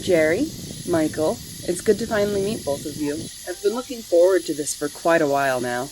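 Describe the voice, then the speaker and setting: A woman's voice: on the low side, animated, a little fast, natural voice. A woman playing a polite, welcoming local TV reporter in an amateur audio drama. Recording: hissy, noisy radio-drama track.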